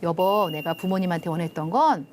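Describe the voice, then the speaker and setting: A middle-aged woman lecturing on a Christian TV show. She tells a personal story in an animated way, acts out the lines she quotes, and drops to soft, hushed tones at tender moments. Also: on the low side, fairly quick, a little hiss or hum. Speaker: lecturer, love institute director. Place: TV studio.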